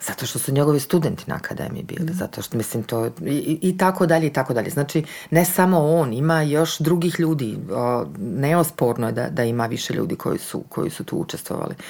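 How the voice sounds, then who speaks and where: A woman speaks in a very deep, low pitch with a Bosnian accent. Her pace is fairly quick and her pitch varies in an ordinary way. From Bosnia (Zenica, Sarajevo). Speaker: singer. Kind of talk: casual chat.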